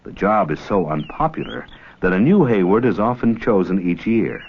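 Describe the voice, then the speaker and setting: A man's voice: deep voice, expressive, normal speed, vocal fry. A man reading scripted educational documentary narration on an old film soundtrack. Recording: muffled, faintly noisy old 16mm film soundtrack.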